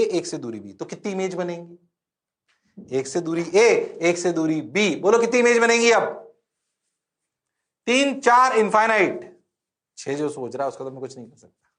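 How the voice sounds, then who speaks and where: A male physics teacher giving a lively exam-prep lecture, repeating questions to his students. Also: sits high. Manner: animated, playful, repeats questions to the class.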